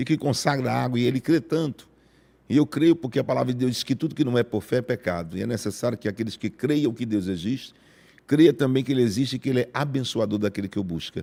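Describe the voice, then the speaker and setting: This man talks at a very fast pace in a medium pitch. He has a dark, mellow tone and ordinary pitch variation. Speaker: pastor. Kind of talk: sermon.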